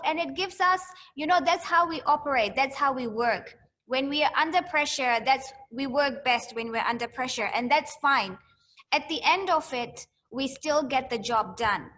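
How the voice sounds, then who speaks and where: A woman's voice: sits high, fairly bright tone, a little hiss or hum. A woman giving an educational talk to students, repeating phrases to drive home her points. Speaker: mental health educator.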